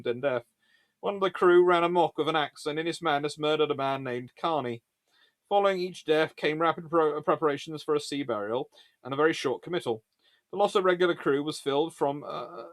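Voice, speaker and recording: A man's voice: fairly high pitch, dry recording. A man hosting a naval history show, reading aloud from books and chatting informally as he reviews them and answers questions.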